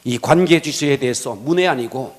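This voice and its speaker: A man's voice: medium pitch, moderate pace. A male pastor preaching a sermon, telling illustrative stories and letting his sentence ends fall to a whisper. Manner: animated delivery, drops to a whisper at sentence ends; tells illustrative stories to the congregation.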